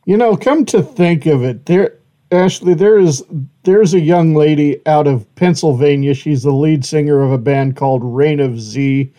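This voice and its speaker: Mellow-voiced male interviewer. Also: a little high, normal speed. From Idaho, United States. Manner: easygoing, lots of "uh" fillers. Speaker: interviewer, show host. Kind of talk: casual interview.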